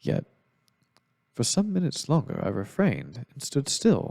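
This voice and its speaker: A man's voice with very wide pitch swings, vocal fry and a moderate pace. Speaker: amateur narrator. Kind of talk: gothic horror story reading.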